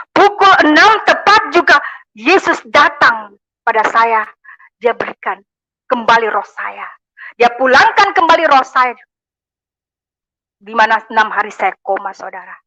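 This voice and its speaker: A woman's voice: on the high side, bright, forceful tone, dry recording. A woman from gives a fervent church testimony, addressing listeners as brothers and sisters. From Makassar, Indonesia. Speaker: testimony speaker. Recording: dull, lo-fi, dry.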